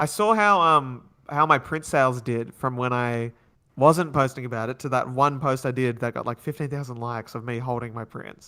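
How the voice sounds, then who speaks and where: On a very clean recording with a silent background, a man of medium pitch speaks with an American accent at a moderate pace, his bright, sharp tone showing big swings in loudness. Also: ordinary pitch variation. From Australia. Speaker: graphic designer and streamer. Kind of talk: casual chat. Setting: live stream.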